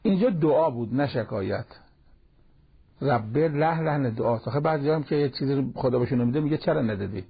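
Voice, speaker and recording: A man with a gravelly, husky voice preaches in an easy, talky way and slips in recited Arabic verses. He, and the sound is dull and lo-fi, like an old radio broadcast. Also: medium pitch. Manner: plain conversational preaching, quotes Arabic verses. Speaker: cleric giving a Quran commentary talk. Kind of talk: sermon-style Quran commentary.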